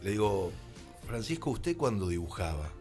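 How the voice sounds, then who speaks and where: A man's voice: fairly low pitch, very animated, normal speed, a little mellow, faint music behind. An Argentine man telling stories conversationally as a radio interview guest, slipping into reported dialogue as he goes. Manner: anecdotal, acts out reported dialogue. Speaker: guest, radio drama creator.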